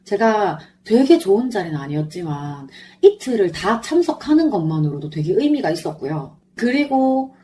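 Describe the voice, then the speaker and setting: A woman's voice: mid-range voice, normal speed, hardly any pauses, a little hiss or hum. A woman podcaster chatting solo in an effusive, fannish way about a show she attended, her throat sore and strained. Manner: effusive, animated fan talk. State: sore, strained throat after singing along. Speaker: podcast host. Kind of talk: chatty solo concert review.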